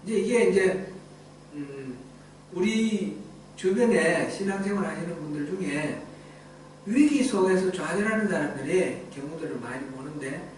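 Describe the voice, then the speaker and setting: High-voiced pastor preaching in echoey hall. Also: male voice, lively intonation, measured pace, slight background noise. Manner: conversational preaching, acts out quoted dialogue. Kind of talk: sermon. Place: church sanctuary. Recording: echoey church hall, mic far off, faint ambience.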